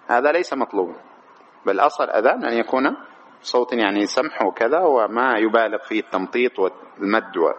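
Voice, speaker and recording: A man with a mid-range, fairly bright voice teaches religious law, unpacking a text line by line. As a teacher of Islamic jurisprudence, he keeps asking rhetorical questions he answers himself and demonstrates correct versus wrong pronunciation. The recording is muffled, with slight background noise.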